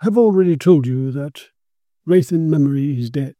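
A man voicing a commanding, grave male occult detective who explains dark matters with authority. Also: fairly high pitch, animated, normal speed, no room sound, lo-fi sound, lightly acted.

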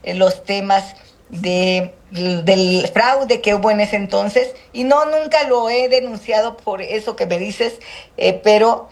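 A woman politician from Guerrero, Mexico, answering interview questions in a measured, halting way with many fillers. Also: medium pitch, fairly even intonation, a little mellow. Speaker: politician, senator.

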